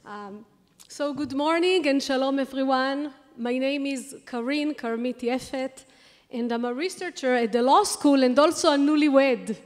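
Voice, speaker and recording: A woman's voice: high-pitched, measured pace, darkish tone. A woman in her thirties with an Israeli accent, giving an earnest acceptance speech at a podium microphone with many fillers and restarts. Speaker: award recipient giving thanks. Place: large lecture hall on stage. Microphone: podium microphone on a stand. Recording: long hall reverb.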